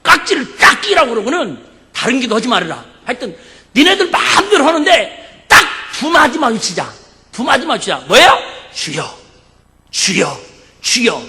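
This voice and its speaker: Animated, shouting male preacher in an echoing church. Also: extremely high pitch. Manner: animated, joking, call-and-response with the congregation, bursts of shouting. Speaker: pastor. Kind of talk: sermon. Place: church sanctuary. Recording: echoey church hall.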